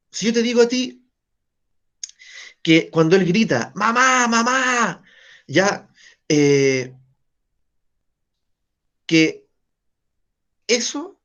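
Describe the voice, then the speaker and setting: A man's voice: on the high side, dull audio. A man with a Chilean Spanish accent, giving a conversational lecture to students in an online class and checking in with them often. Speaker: teacher.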